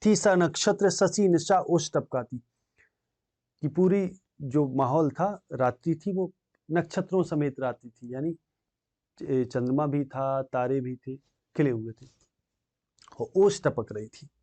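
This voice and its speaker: A man teaching a Hindi poetry lesson, reciting each verse slowly and then explaining it word by word in plain speech. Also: mid-range voice, dark tone.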